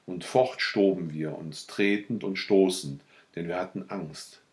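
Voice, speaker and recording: A man narrating a classic literary story as an audiobook, in a measured storytelling manner. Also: low voice, a little mellow. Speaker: audiobook reader.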